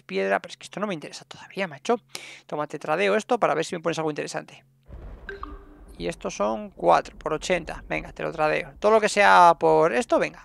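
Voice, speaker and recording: A man's voice: a little high, gravelly, fairly bright tone, no echo. A man giving casual let's play commentary, chatty and talking to his game characters. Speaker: gameplay streamer.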